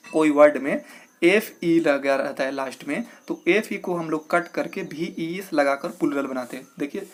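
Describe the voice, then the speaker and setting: A young man, an exam coaching teacher, explaining test questions one by one and asking and answering his own questions as he goes. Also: on the high side. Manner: walks through each answer step by step, asks and answers his own questions.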